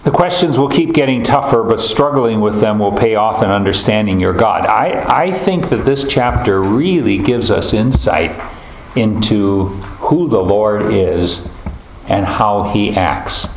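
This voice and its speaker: A man leads a Bible study discussion in an echoey room, his voice sitting on the lower side. He talks in a halting, thoughtful way, full of restarts and fillers, and a faint background hum sits under him. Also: animated. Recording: roomy echo, faint ambience.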